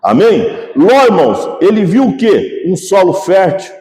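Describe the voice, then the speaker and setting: High-voiced fervent male pastor. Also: big pitch swings, unhurried, dark tone. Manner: fervent, repeatedly addressing the congregation as brothers. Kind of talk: sermon. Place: church. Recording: echoey church hall reverb.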